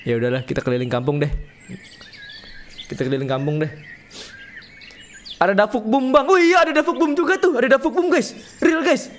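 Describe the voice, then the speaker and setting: A man's voice: very high voice, lively intonation, fairly quick, pauses often, a little hiss or hum. A young man, streaming a horror game with rowdy, joking, slangy commentary and reading the game's text aloud. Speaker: gaming streamer.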